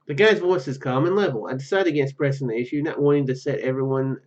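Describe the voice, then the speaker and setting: A man's voice: mid-range voice, quick pace. Dull-sounding male gamer reading aloud. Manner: stumbles and self-corrects while reading. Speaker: gaming video host. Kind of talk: reading game narration aloud with casual commentary.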